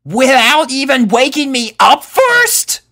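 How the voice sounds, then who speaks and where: A man's voice: very high-pitched, sing-song, takes it slowly, sharp tone, pitched above the performer's own voice, full character voice. A man voicing a brash, hot-tempered young female pegasus pony in a cartoon fan story, frantic and exclamatory. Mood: angry.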